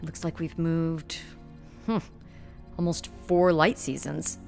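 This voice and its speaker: A woman's voice: deep voice, fairly even intonation, slow, creaky, darkish tone, soft background music, exaggerated voice. A woman acting an alert, businesslike starship navigator in a sci-fi audio drama, with clipped technical delivery.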